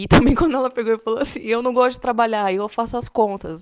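A woman with an ordinary speaking voice, fairly high pitch and a fairly quick pace. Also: dry, close sound with no echo. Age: 30s. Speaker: listener sending a message. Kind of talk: recorded listener voice message.

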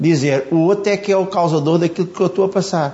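A man talks high in pitch, and his pitch varies in an ordinary way. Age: 70s. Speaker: pastor. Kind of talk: sermon.

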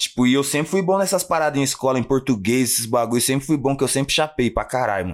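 On a very clean recording with a silent background, a man of medium pitch talks at a very fast pace with hardly any pauses and ordinary pitch variation. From Brazil, São Paulo area (Guarulhos). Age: 20s. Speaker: rapper. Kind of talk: casual chat.

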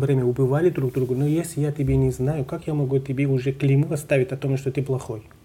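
A man talks at a very fast pace with a fairly high pitch. His tone is dark and mellow, and somewhat breathy. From Iran. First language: Persian (speaking Russian). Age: 50s. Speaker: pharmacist and importer. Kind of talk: interview. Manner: halting.

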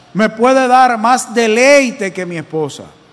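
The man talks at a very slow pace. His pitch is extremely high and his intonation lively. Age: 50s. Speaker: pastor. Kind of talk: sermon. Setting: church.

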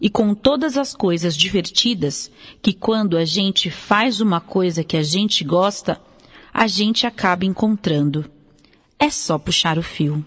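A woman's somewhat breathy, medium-pitched voice at a fairly slow pace, with lively intonation and very even loudness. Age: 30s. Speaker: radio host and storyteller. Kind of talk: storytelling on children's radio. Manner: animated.

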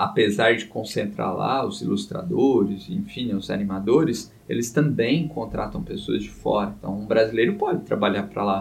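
A man talks at a moderate pace with hardly any pauses, and audible room echo surrounds his voice. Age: 30s. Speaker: illustrator. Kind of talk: casual interview. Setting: studio.

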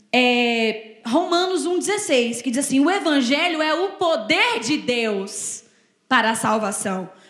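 A woman's high-pitched voice with lively intonation and audible room echo. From Rio Grande do Norte, Brazil (Natal). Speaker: preacher. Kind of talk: sermon.

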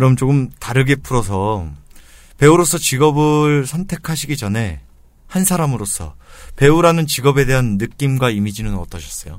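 A man talks at a medium pitch and moderate pace. He has a normal speaking voice with lively intonation. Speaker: podcast host. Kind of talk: scripted narration. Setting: studio.

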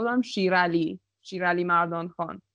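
A woman speaks in a plain, everyday voice at a moderate pace, with ordinary pitch variation against a quiet background. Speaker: podcast guest, aspiring voice actor. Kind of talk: casual chat. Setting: online call.

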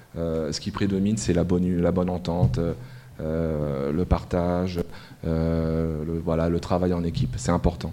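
A man's very deep, low voice of dark, mellow tone, fairly even in intonation and fairly slow in pace. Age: 50s. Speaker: job seeker in training. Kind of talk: mock job interview. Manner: halting.

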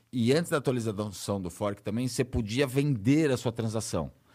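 With a plain, everyday voice, a man talks at a fairly quick pace with ordinary pitch variation over a very clean recording and silent background. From Brazil. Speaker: engineer. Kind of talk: casual chat.

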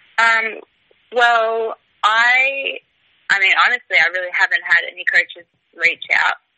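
Taking long, frequent pauses, the woman keeps to a fairly slow tempo. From Melbourne, Australia. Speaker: junior tennis player and charity ambassador. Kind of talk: casual interview. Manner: hesitant, many fillers.

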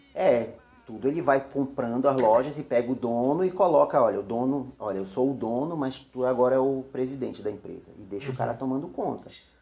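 Amid noticeable background noise, a man with a medium pitch speaks at a fairly quick pace with hardly any pauses and ordinary pitch variation. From northern Brazil, Belém. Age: 30s. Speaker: storyteller guest writing a book. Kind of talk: casual storytelling chat.

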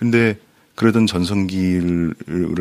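Very deep, low pitch from a man, with ordinary pitch variation. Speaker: venture capital firm head, tech commentator. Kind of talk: casual chat. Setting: studio.

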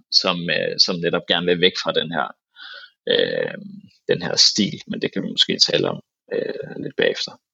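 A man speaks at a fairly slow pace. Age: 20s. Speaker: university student and football fan. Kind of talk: casual chat. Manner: halting, many fillers and repetitions.

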